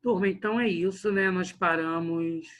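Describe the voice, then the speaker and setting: A man's voice: high voice, fairly even intonation, moderate pace, a bit bright. Man teaching a literature class. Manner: tags sentences with "né?" and "olha só", addresses the class directly. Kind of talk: online class lecture.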